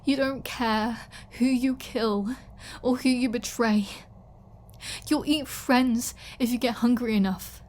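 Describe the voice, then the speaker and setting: A woman playing a flirty, starving captive vampire in an ASMR roleplay, halting and teasing, with breathy asides and pleading. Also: on the high side, fairly even intonation, a little mellow. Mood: haunted, pleading. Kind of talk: ASMR roleplay audio drama.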